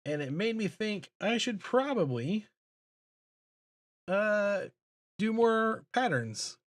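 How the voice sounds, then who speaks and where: A man's voice: big pitch swings, slow pace. A man livestreaming casually as he draws, thinking aloud in a mumbly, self-deprecating way. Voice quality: deep voice. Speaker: livestreaming illustrator and host. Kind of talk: casual livestream chat while drawing. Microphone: streaming microphone.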